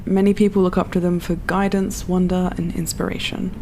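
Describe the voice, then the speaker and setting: A woman's voice: lowish voice, level tone, fairly quick, warm tone, slight background noise, natural voice. A woman playing a proud, dreamy perfectionist spaceship designer in a sci-fi audio drama, speaking in a lofty, poetic, self-assured way. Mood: wistful, yearning.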